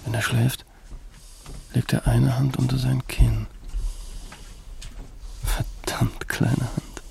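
A man playing a weary backwoods father thinking aloud in a radio play monologue, in terse, brooding fragments with a gravelly voice. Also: mid-range voice, little pitch movement, slow pace, noisy background. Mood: weary, reflective. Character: weary, brooding backwoods father telling his inner thoughts.

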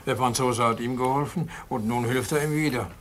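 An actor in a German radio play, playing a genial, matter-of-fact village drinker who speaks plainly. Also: male voice, mid-range voice, a little fast, a little hiss or hum, lightly acted. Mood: approving.

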